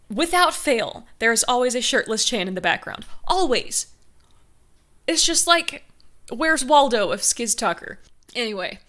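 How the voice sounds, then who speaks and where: Lively bright-voiced woman, chatty. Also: on the high side. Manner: chatty, gushing fan. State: morning voice. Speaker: reaction video host. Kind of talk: casual reaction chat.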